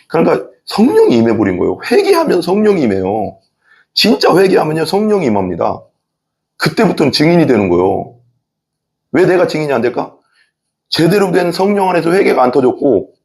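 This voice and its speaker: A man's voice: fairly high pitch, huge pitch swings, a little fast, creaky, long pauses, darkish tone. A male pastor preaching a sermon in a church, telling stories in an earnest, conversational way with emphatic repetition.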